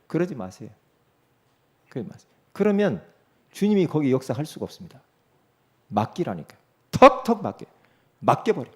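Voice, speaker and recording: A middle-aged pastor with a voice on the high side preaches an emphatic sermon. He asks rhetorical questions and alternates between loud declarations and soft asides.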